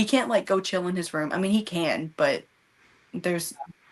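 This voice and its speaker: A quiet woman's voice of medium pitch with lively intonation. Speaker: book club co-host. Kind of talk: casual chat. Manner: talking quietly.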